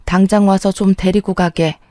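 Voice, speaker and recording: A woman voicing a worried older mother who speaks urgently and firmly, in a warm, dry voice. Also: medium pitch, fairly even intonation, normal speed, dry recording, natural voice.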